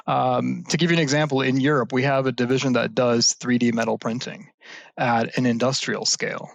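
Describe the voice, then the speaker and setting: A man speaking as an interview guest, telling animated anecdotes about his work with many fillers. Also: mid-range voice, brisk, creaky, no echo. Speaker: guest, IT services business leader. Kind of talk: conversational interview answers.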